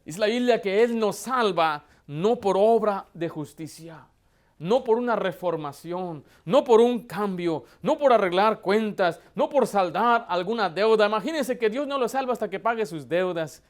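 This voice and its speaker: A man, a pastor, preaching a sermon with emphatic rhetorical questions that build to loud, impassioned emphasis. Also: sits high, animated, normal speed.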